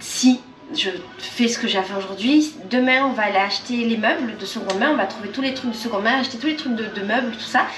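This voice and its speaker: A very fast pace and ordinary pitch variation, with faint music in the background. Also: woman. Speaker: vlogger. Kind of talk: casual vlog chat. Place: kitchen. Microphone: phone near.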